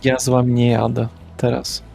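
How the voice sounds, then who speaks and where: A man's voice: mid-range voice, completely flat delivery, moderate pace, creaky, dark tone, faint music behind. A man speaking in character in a tabletop roleplaying game, casual and rambling. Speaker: player.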